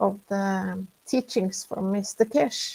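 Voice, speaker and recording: In a Norwegian accent, a woman speaks at a very slow pace and a fairly high pitch. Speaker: spiritual council member.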